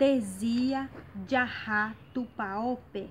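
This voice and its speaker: Speaking with a Paraguayan accent, a woman has a fairly high pitch. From Mato Grosso do Sul, Brazil (Guarani Kaiowá, Amambai). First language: Guarani (speaking Portuguese). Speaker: language teacher YouTuber. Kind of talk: language tutorial. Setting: at home. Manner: halting, hesitant.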